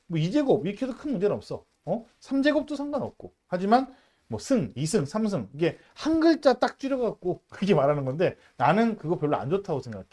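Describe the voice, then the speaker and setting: A math teacher in the middle of a casual lesson for middle schoolers, the pitch swinging up and down in lively swoops. The talk is chatty and emphatic, full of quick rhetorical check-ins, and keeps pushing the students to say each term aloud.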